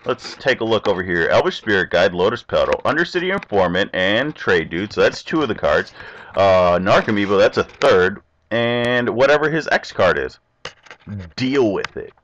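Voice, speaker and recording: A young man with a voice on the low side casually commentates his online card game at a moderate pace. He is chatty and animated, talking both to himself and to his opponent, on a dull lo-fi recording.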